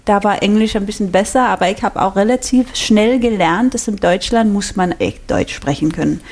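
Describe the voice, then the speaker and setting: A Danish woman, a singer appearing as a guest, speaks German with her native accent in a relaxed interview. Her voice is medium-pitched and a little mellow, her pace moderate. She's chatty and self-mocking and laughs often.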